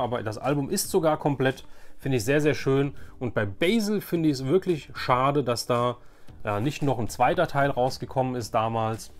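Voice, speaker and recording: Nostalgic, rambling man with faint music behind. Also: mid-range voice. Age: 40s. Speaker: YouTube host. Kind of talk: casual nostalgic vlog chat about collecting.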